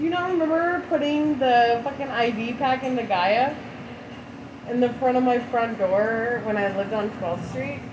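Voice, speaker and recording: Amid noticeable background noise and audible room echo, a woman with an American accent talks at a moderate pace in a high pitch with lively intonation. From Las Vegas, US. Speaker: interviewee sharing pet stories. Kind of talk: casual chat.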